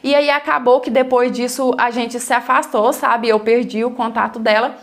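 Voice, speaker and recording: Woman, high voice; casual first-person storyteller, chatty with fillers. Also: steady tone, normal speed. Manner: plain conversational retelling with many fillers.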